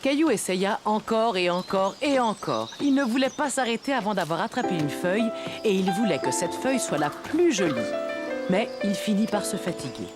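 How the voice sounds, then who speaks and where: A woman giving gentle storybook narration for a children's cartoon. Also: mid-range voice, expressive, normal speed, music in the background.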